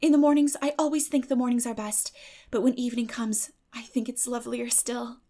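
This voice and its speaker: A woman acts out a romantic young schoolgirl in a storybook reading. Her voice is high and earnest, gushing along breathlessly with dreamy feeling. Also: fairly even intonation, fairly quick, mellow, lightly acted. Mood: dreamy delight. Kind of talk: dramatic audiobook character reading.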